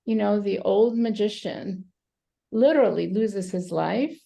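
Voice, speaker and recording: A woman from Romania, a psychotherapist answering interview questions thoughtfully over a video call, with many pauses and fillers. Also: mid-range voice, creaky, mellow. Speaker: psychotherapist guest.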